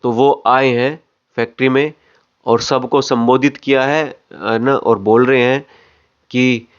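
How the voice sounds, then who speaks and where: A man's voice: mid-range voice, steady tone, slow, clear, resonant tone. Male acting coach, dull lo-fi recording. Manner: repeats and rephrases phrases. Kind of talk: instructional explanation to camera. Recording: dull lo-fi audio.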